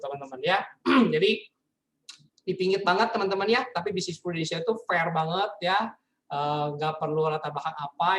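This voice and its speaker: A man's voice: high voice, a bit bright. A man, telling stories casually as a motivational business speaker on a video call, often turning to address his listeners as friends. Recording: echoey room sound.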